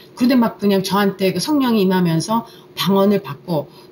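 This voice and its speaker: Noticeable background noise runs under the speech. The pace is moderate and the pitch varies in an ordinary way. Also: woman. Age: 60s. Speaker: pastor. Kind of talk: sermon. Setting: church. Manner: conversational with fillers.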